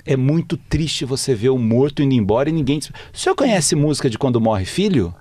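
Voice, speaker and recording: A man's voice: mid-range voice, very animated, fairly quick, a little mellow, no echo, pitched above the performer's own voice. A man voicing an earnest, talkative male mourner who cries at wakes, in a plaintive, questioning way. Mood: eager.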